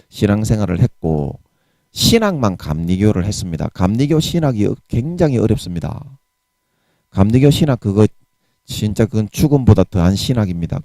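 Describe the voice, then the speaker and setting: A man's voice: on the low side, mellow, no echo. Gyeongsang guy in his 40s preaching hard and blunt, voice jumps all over, dry close sound. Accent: Gyeongsang Korean. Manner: fiery, blunt preaching with harsh curses. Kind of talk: sermon.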